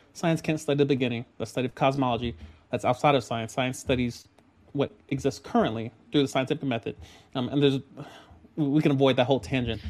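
Talking at a very fast pace with long, frequent pauses, a man keeps a medium pitch and fairly even intonation. The recording is very clean and the background silent. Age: 20s. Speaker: podcast host. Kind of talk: interview. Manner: halting.

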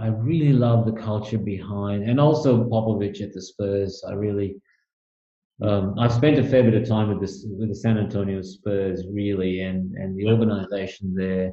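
A man speaks somewhat breathily at a moderate pace, with fairly low pitch and fairly even intonation. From India (Chennai). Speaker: sports executive and management consultant. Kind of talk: interview conversation.

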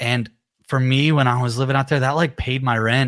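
Intonation stays monotone and flat in this voice with an American accent. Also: man. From Pennsylvania, near Philadelphia, now New Jersey. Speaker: musician guest. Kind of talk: casual interview chat. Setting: video call live stream.

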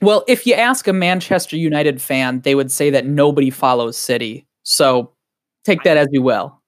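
On a very clean recording with a silent background, a man with a fairly high pitch speaks with lively intonation and very even loudness. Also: moderate pace. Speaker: soccer podcaster. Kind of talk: casual chat. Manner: long-winded.

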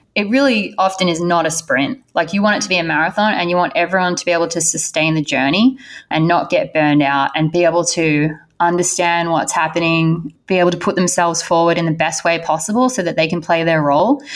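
A woman with an Australian accent speaks at a very fast pace with a fairly low pitch. Her pitch variation is ordinary, and the recording is very clean with a silent background. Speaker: software engineer. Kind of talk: interview.

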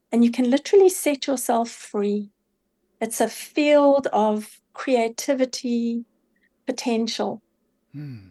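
A woman with a South African accent speaks at a very slow pace, leaving long, frequent pauses. Her high-pitched voice has a dark, mellow tone, lively intonation and big swings in loudness. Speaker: mindset mentor and pilgrimage guide. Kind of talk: interview conversation. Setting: remote call.

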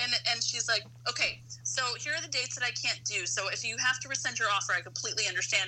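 Against noticeable background noise, a woman delivers her words at a fairly quick clip. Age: 40s. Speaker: film director. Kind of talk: interview. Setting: video call.

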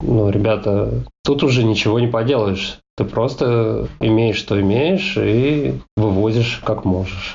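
Very slow, somewhat breathy speech at a very even loudness, with ordinary pitch variation. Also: man, fairly low pitch for a man. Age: 40s. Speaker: tattoo artist and father. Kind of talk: recorded personal testimony.

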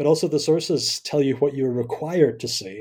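This is a man speaking. He talks with a Scottish accent. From Scotland. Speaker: theologian and university lecturer.

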